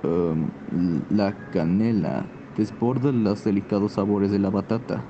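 A proud, deadpan cartoon hedgehog , played by a man, pompous about himself. He is low and slow, dully recorded. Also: noisy background, lightly acted. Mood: self-assured. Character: deadpan, proud male hedgehog who cooks. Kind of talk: Spanish fan dub of cartoon. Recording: dull muffled sound, loud music behind.

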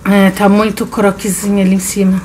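A woman's voice: mid-range voice, little pitch movement, fairly quick, a little mellow. A woman in her thirties hosting a casual home cooking vlog in her kitchen, chatting to viewers as she films on a handheld phone. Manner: chatty, addresses viewers as "gente". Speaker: cooking channel host. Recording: faint background noise.

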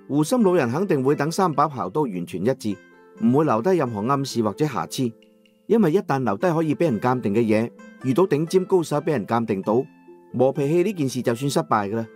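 A man with a Cantonese accent narrating a novel in the first person, in an expressive, dramatized storytelling manner. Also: medium pitch. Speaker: audiobook narrator.

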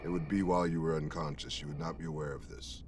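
A man voicing a grave, cryptic scholar who speaks slowly and solemnly. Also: a bass voice, steady tone, a little mellow, a little hiss or hum, pitched below the performer's own voice. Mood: ominous. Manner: slow, solemn, ominous.

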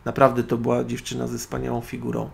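A man with a gravelly, creaky voice at an ordinary middle pitch holds forth alone as a radio host. He lectures in a sardonic, opinionated tone, addressing his audience directly. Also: monotone, fast. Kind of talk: solo spoken monologue.

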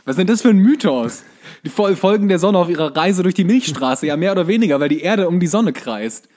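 A man with a fairly high voice talks as a podcast co-host. His delivery is casual and sarcastic, with a ranting, sweary edge to the banter. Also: lively intonation, brisk, a little mellow.

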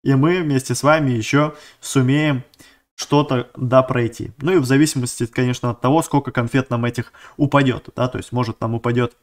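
A man's voice: mid-range voice, steady tone, fairly quick. A man talking casually over gameplay as a video game channel host, chatty and thinking aloud, often correcting himself mid-sentence and using gamer slang. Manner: uses many diminutives and gamer slang. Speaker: gaming YouTuber.

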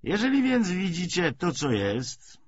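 A man voicing a self-assured, commanding political commissar who lectures emphatically and deliberately in an audiobook. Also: sits high, wildly swooping pitch, slightly rough, no room sound, highs cut off, voice pushed up, heavily acted. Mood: lecturing, emphatic. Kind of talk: audiobook character dialogue.

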